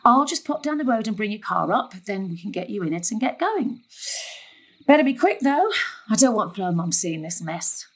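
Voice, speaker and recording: A woman's voice: mid-range voice, big pitch swings, normal speed, low-quality recording. A woman playing a long-suffering, middle-aged mother with a darkly wry, conversational manner in a dramatic thriller. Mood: brisk, menacing. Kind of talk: dramatic stage-thriller monologue and dialogue.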